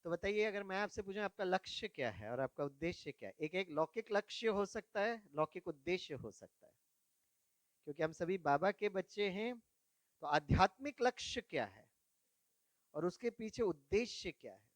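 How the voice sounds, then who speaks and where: A spiritual speaker gives a talk to young people in a high voice with lively intonation, at a moderate pace and with no echo. He tells stories from his own life, asks the audience questions and mixes English words into his Hindi.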